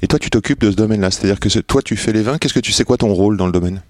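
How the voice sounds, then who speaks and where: A man's voice: on the low side, very fast, a little mellow. A man hosting an interview, asking questions in a friendly, joking way. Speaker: podcast host. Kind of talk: casual interview.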